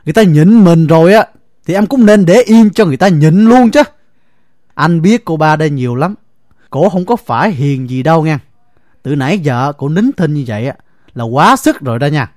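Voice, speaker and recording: A man's voice: a little high, expressive, moderate pace, darkish tone, no echo, natural voice. A man voicing a harried husband with a Southern Vietnamese accent, flustered and pleading, his voice raised and pressing. The sound is close and dry. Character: harried timid husband caught between two women. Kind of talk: audio drama acting.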